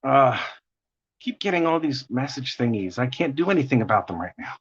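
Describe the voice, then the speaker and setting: A man with a gravelly voice and a New York accent, chatting in a rambling way while he draws on a livestream. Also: medium pitch, very animated, brisk. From United States. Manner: chatty, rambling, chuckling often. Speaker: artist livestreaming a drawing session. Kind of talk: casual chat while drawing. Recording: dull lo-fi stream audio.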